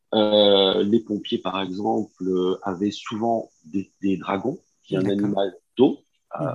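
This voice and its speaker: The speaker is a man with a very slow pace. His intonation stays fairly even. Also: fairly low pitch for a man. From Nice, southern France. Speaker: tattoo artist. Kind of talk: interview. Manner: halting, repeats words.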